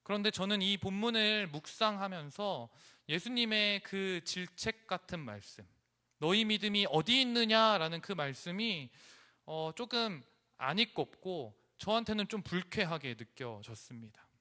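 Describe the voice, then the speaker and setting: A male pastor preaching a dramatic sermon in church, rising to loud emphasis and dropping to a hush. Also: high-pitched, lively intonation, measured pace. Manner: dramatic, swings from loud emphasis to hushed near-whisper. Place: church sanctuary.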